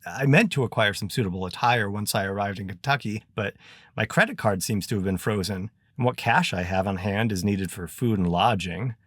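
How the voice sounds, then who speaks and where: A man playing a verbose, theatrical gentleman adventurer with a florid, pompous and grandly polite way of talking. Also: lowish voice, brisk, no room sound, clean studio sound. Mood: indignant, explanatory.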